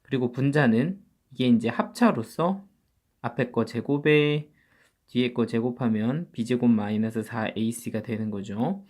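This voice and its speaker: A man tutoring high school math, explaining each step and answering his own questions as he goes. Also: unhurried, a little mellow. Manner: explains step by step, often asks and answers himself. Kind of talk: spoken math lecture.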